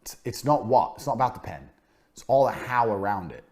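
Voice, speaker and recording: A man's voice: medium pitch, animated, a little fast, a little mellow. A man giving a motivational business lecture, blunt and boastful, swearing freely and hammering points home with repetition. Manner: punchy, emphatic repetition. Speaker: business course speaker.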